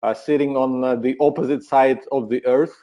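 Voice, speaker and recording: A man with a Ukrainian accent presenting a webinar in a relaxed, friendly way, with many filler uhs. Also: mid-range voice, normal speed.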